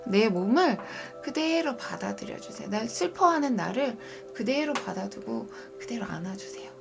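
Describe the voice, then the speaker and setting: A young woman coaching viewers on a live stream in a soft, coaxing way that drifts into whispers. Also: fairly high pitch, lively intonation, moderate pace, vocal fry. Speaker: breathing and wellness coach. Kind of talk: live-stream chat reading viewer comments. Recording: music playing behind.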